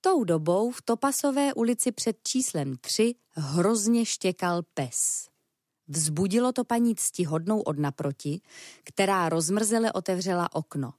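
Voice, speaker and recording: A woman narrating a children's storybook in a calm, even storytelling manner. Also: mid-range voice, no echo, clean studio sound.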